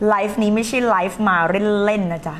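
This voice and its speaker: A woman's voice: medium pitch, fairly quick, a little hiss or hum. A woman life coach hosting a live stream, talking emphatically, scolding and teasing her viewers and reading their comments aloud. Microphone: streaming setup.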